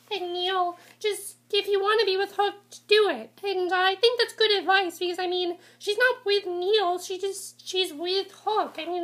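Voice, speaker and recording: A woman's voice: very high voice, fairly bright tone. A woman casually reviewing a TV episode, congested from a cold, rambling with many ums and restarts.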